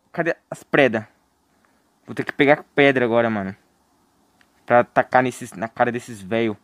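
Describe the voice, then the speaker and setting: Clean studio sound with no room reverb carries this young man's mid-range voice. Streaming a horror game live in a Brazilian Portuguese accent, he jokes with his audience and yelps in fright when the game scares him.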